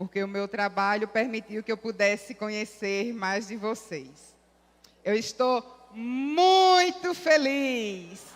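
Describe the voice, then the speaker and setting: Her pitch swinging very widely, a woman speaks. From Paraíba, Brazil. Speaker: preacher at women's church event. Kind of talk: sermon. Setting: church event, filmed and streamed.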